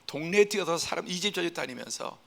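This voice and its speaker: Gravelly-voiced pastor preaching in a reverberant church. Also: male voice, fairly high pitch, lively intonation, quick pace. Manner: emphatic, building to forceful peaks; acts out scenes in a hushed voice. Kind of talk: Sunday sermon. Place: church sanctuary.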